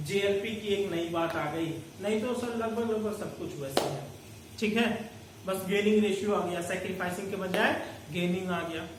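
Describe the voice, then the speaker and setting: A man teaching an accounting lecture, explaining step by step and calling his students "beta". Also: high-pitched. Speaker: commerce teacher. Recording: very echoey room, distant mic, faint noise.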